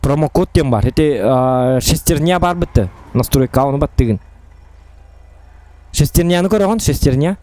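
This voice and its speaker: Lively, higher-voiced man streaming a game. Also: moderate pace. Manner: playful, inquisitive, repeats himself. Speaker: live streamer role-playing in an online game. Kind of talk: casual improvised in-game chat.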